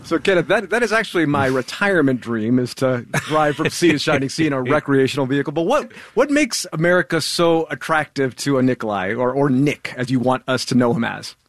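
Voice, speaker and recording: A man's voice: mid-range voice, expressive, a little fast, few pauses, dry recording. Man hosting a radio interview, dry studio. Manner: conversational, lightly amused. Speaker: radio news host. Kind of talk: interview introduction.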